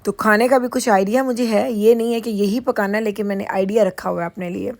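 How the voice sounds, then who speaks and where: Chatty middle-aged woman with gravelly voice. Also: mid-range voice, fairly even intonation, brisk, a little mellow, slight background noise. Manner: chatty, rambling, laughs easily. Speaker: vlogger. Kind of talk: casual vlog chat. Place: car while driving, then dealership lounge.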